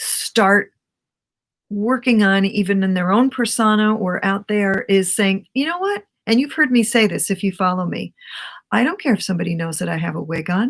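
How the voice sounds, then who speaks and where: With medium pitch and a slightly breathy quality, a woman talks at a middling speed, her pitch varying in a normal way. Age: 60s. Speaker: wig channel host. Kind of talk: live stream chat. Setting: live stream. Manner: animated.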